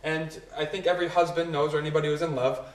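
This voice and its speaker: A man who is a native English speaker, explaining ideas through everyday examples and questions in a casual two-person talk. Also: a little high. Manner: leads with examples, asks questions, quick and animated. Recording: roomy echo, a bit far from the mic.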